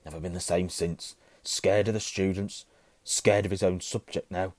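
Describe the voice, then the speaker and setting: A huge, kindly storybook fellow, voiced by a male narrator, hearty and gruff. He speaks in a low, folksy, colloquial way on a dry, close recording. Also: steady tone, normal speed, darkish tone, dry recording. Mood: confiding.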